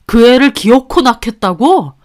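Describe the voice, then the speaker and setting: A woman's voice: on the high side, very animated, moderate pace. A woman voicing an angry, suspicious young husband in a radio-style story, talking in an accusing, sneering way. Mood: hostile. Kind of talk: Korean radio-story dialogue.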